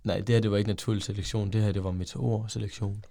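A teenage man from Herning, a podcast guest who jokes in a playful, deadpan way. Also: lowish voice, gravelly, dry recording, studio quality. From Herning, Denmark. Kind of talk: casual podcast chat.

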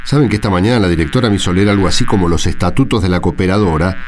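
A man's voice: sits low, very fast, darkish tone, soft background music, natural voice. An actor with an Argentine accent playing an exasperated, grumbling man on a school committee in a radio drama. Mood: worried. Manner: grumbling, repetitive.

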